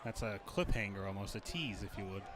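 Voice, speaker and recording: A man calling the play-by-play at a local football game, brisk and fond of light joking banter. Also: lowish voice, lively intonation, a crowd in the background, noisy background. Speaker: play-by-play announcer.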